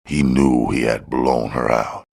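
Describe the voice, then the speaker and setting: A man's voice: extremely low pitch, fairly even intonation, unhurried, creaky, a little mellow, breathy edge. A man reading crime fiction aloud as scripted audiobook narration.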